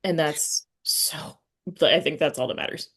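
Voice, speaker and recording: A woman with a low-pitched voice chats as an interviewer. She is informal and rambling, often breaking off and restarting her own thoughts. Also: normal speed, a bit bright, breathy edge. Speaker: podcast host, interviewer. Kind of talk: casual chat.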